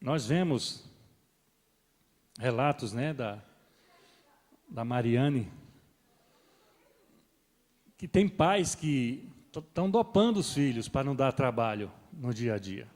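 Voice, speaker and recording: A middle-aged man preaching a sermon as pastor, swelling loud on key points and then dropping soft. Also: mid-range voice, animated, slow, long pauses. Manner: rises and swells with emphasis, then drops soft. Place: church hall. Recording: long reverb of a church hall.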